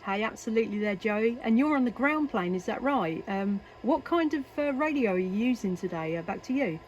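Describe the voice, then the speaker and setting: This CB radio operator and video maker from England talks casually in a chatty, hesitant way, her voice on the high side with lively intonation and a slightly fast pace. She's in her home workshop, and the noisy recording, full of radio static and hiss, has its highs cut off.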